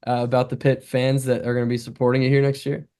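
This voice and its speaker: A man's voice: mid-range voice, level tone, fast, a little mellow. Guy hosting a sports podcast, casual curious questions, medium voice. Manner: curious, asks follow-up questions. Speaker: podcast host. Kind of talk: interview questions.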